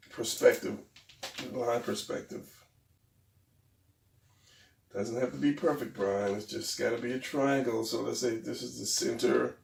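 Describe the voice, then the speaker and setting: Male drawing instructor, gravelly and a bit stuffy, rambling and hesitant, recorded off-mic in a roomy space. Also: medium pitch, distant mic, a little hiss or hum. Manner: hesitant, rambling, self-deprecating. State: losing his voice, a little stuffy. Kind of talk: casual drawing tutorial.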